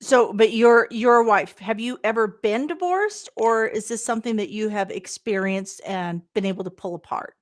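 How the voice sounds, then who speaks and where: A woman hosting a podcast interview, bubbly and energetic, talking with many fillers and restarts. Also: fairly high pitch, moderate pace, few pauses. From Canada. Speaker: podcast host.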